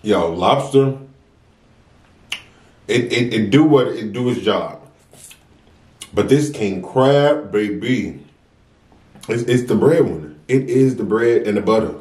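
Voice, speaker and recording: A man's voice: on the low side, lively intonation, slow pace, pauses often, darkish tone. A young American man chatting casually and slangily to his viewers as an eating-show vlogger, between mouthfuls. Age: young adult. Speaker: mukbang vlogger. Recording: roomy echo, distant mic.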